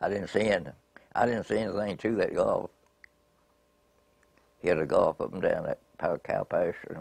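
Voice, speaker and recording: An East Texas accent at a moderate pace. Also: man. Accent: East Texas Southern American. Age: 80s+. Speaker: retired sawmill worker. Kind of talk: interview answer.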